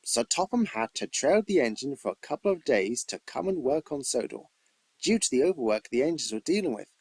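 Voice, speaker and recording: A man's voice: medium pitch, sing-song, a little fast, a little mellow, breathy edge, no room sound. A man reading scripted storybook narration as an amateur narrator, with theatrical emphasis.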